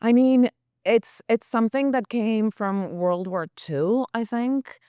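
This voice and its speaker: A woman's voice: on the high side, takes it slowly, mellow, smooth, no echo, studio quality. A woman journalist as a podcast guest, talking earnestly and thinking aloud with restarts. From United States. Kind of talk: reflective podcast interview.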